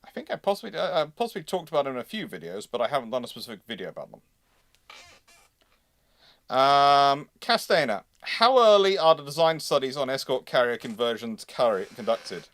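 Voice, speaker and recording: A man hosts a live history discussion in a medium-pitched voice. He speaks haltingly, repeating and rewording phrases as he goes. The sound is dry, with very little room in it. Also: very animated, fairly bright tone, dry recording. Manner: halting, often repeats and rephrases words. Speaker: host of a naval history livestream. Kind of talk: live question-and-answer discussion.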